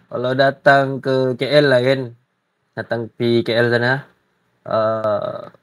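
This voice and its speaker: A man with a medium pitch talks very slowly, his intonation fairly even. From Malaysia, Sabah (Tawau). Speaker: YouTube reaction channel host. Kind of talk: casual reaction commentary.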